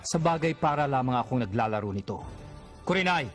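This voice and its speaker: A man's voice: medium pitch, lively intonation, a little fast, fairly bright tone, faint music behind, close to an everyday voice. A man voicing an arrogant, menacing villain in an anime dub, taunting and scornful. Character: arrogant, taunting male villain who commands a flame servant. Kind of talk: Tagalog anime dub acting.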